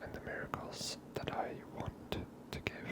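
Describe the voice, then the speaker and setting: An ASMR host comments on a video game entirely in a whisper. The delivery is gentle and unhurried, close on the microphone. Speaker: ASMR gamer, channel host.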